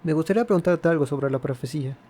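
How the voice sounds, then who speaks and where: A man reads game dialogue choices for his let's play in an informal, offhand way. His voice is mellow and on the high side for a man, and he talks quickly. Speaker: gaming video host.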